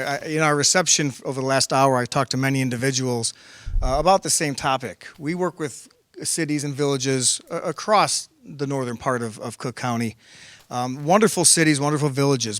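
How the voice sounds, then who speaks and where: Loud guy accepting an award, emphatic, dry close sound. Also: mid-range voice, dry recording. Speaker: award recipient from a health system. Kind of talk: acceptance remarks. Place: council chamber.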